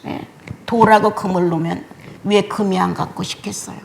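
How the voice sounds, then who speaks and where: An older woman preaching a sermon, swinging between loud exclamations and hushed whispers. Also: medium pitch, steady tone, moderate pace, gravelly, slight background noise. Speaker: pastor.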